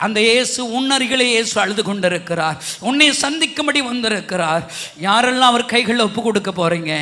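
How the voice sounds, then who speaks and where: A man's voice: very high-pitched, animated, fairly quick, bright, forceful tone. A man preaching a sermon and praying aloud with a Tamil accent, calling out to the congregation with fervent repetition. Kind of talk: sermon and prayer. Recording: long hall reverb.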